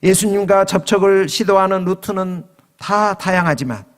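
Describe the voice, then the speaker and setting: A man preaching a sermon as pastor, switching into raised voices for quoted lines. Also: a little high. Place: church sanctuary. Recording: long reverb of a church hall.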